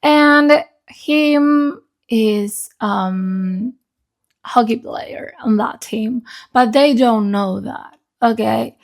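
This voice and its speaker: A woman giving a casual, chatty book review in an informal, sweary way, her voice grainy and unsteady as she recovers. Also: on the high side. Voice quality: unstable, grainy voice. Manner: informal, sweary, often checks in with "okay?". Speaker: book reviewer, video channel host.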